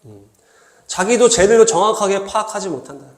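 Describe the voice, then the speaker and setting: A man's voice: high-pitched, fairly quick, echoey room. A man preaching a sermon as pastor, earnest and at times acting out the voices he quotes. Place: church hall.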